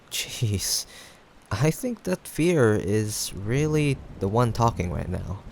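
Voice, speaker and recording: A young man playing an affectionate, teasing male friend who is a bit awkward, speaking haltingly in an intimate roleplay addressed to the listener. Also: fairly low pitch. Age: young adult. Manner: halting, hesitant, with sighs and soft chuckles. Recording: steady background noise, rain ambience. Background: rain sound effects.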